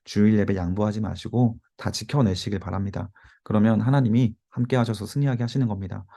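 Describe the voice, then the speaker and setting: A man's voice: lowish voice, fairly even intonation, fast talker, vocal fry, mellow. A man teaching a Bible study to a youth group, explaining and exhorting while giving note-taking cues.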